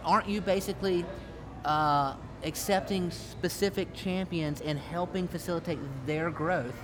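A man's voice: sits high, fairly even intonation, measured pace. A man hosting a podcast, joking around and interrupting his guest. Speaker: podcast host. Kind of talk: casual podcast chat.

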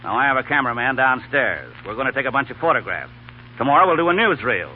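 A man's voice: medium pitch, big pitch swings, fast, phone-quality sound, natural voice. An actor playing a brash, bossy, wisecracking film publicity man in a 1930s radio comedy, cutting in and ordering people around. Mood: bossy, impatient. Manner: domineering, wisecracking, cuts others off. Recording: crackly, thin 1930s radio broadcast.

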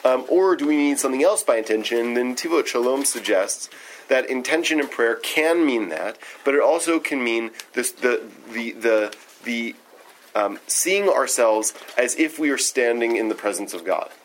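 A man's voice: medium pitch, expressive, normal speed, a little hiss or hum, low-quality recording. A man leading a text study, giving an informal, thoughtful lecture and often checking in with his listeners.

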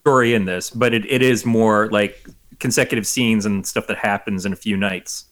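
A man's voice: lowish voice, steady tone, normal speed, a bit bright. A man co-hosting a podcast, joking crudely and teasing in casual chat. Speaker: podcast co-host.

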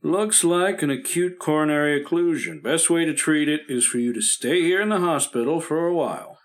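Man voicing a steady family doctor, old radio play, patient and firm, slightly high voice. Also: moderate pace, close to an everyday voice. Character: calm reassuring male family doctor. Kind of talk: 1950s radio drama acting.

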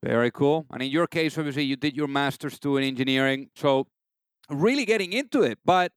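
A man's voice: medium pitch, lively intonation, a little fast, clean tone, dry recording. A man hosting an interview podcast, eager and peppered with "you know" fillers. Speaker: podcast host.

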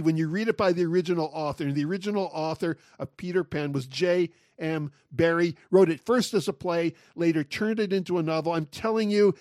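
A man in his sixties hosting a solo talk show, talking in a wry, animated, joking way. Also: high voice, dry recording, studio quality. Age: 60s. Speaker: podcast host.

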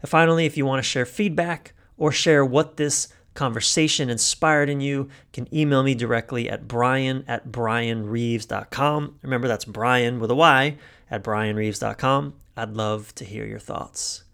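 A man's voice: medium pitch, steady tone, moderate pace, creaky, a bit bright, smooth. Enthusiastic male podcast host. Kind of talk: podcast intro and interview.

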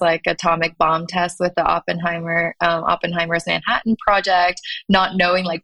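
Young woman from Finland, interview guest; low, gravelly fry, hesitant thoughtful delivery. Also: fairly bright tone. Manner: thoughtful, many fillers and restarts. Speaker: startup founder, guest. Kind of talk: conversational interview.

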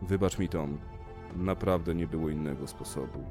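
A man voicing an angry, grim male spaceship crewman who shouts accusations, in an audiobook reading. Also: very deep voice, normal speed, over music, voice pushed down. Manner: shouting insults, then cold and quiet.

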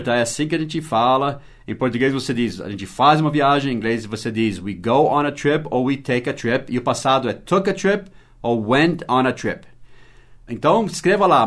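A man from Brazil teaching English in a podcast lesson, explaining patiently, spelling words letter by letter and often checking that the listener follows. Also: mid-range voice. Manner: asks frequent rhetorical checks.

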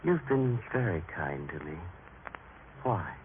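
Deep, emotive, humbled injured traveler. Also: male voice, big pitch swings, slow pace, exaggerated voice. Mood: weak, grateful. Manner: earnest, emotive. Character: grateful, repentant injured man, husband and father. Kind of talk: old-time religious radio drama acting. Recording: tinny, noisy vintage radio recording.

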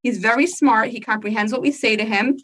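A woman's voice: fairly high pitch, brisk, a bit bright. A woman hosting a parenting conversation who reads a listener's question and then chimes in playfully, acting out how parents talk to children. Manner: enthusiastic, playful, acts out kids' voices. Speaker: podcast host reading listener questions. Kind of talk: casual conversation.

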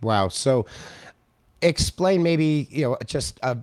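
A man hosting a business podcast in a casual, upbeat interview style, his voice slightly hoarse. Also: fairly high pitch, animated, takes it slowly, a little mellow, no room sound. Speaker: podcast host.

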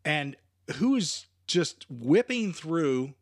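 A man hosting a sports podcast, friendly, stammering a little and clearing his throat often. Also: fairly high pitch, big pitch swings, drawn-out words, no room sound, clean studio sound. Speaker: podcast host. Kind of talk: casual interview chat.

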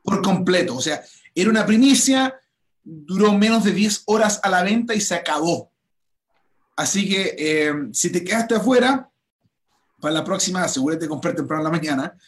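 Man host, fairly high voice, eager promo chat, lots of restarts. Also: expressive, moderate pace. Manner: enthusiastic, promotional, many restarts. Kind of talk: livestream interview chat.

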